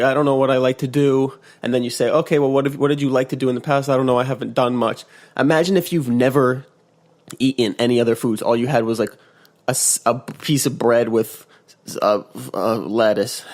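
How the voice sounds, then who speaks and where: A man hosting a casual motivational podcast, just woken up and congested, rambling with restarts and acting out quotes in a higher voice. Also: a little mellow. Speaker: podcast host. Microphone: podcast mic.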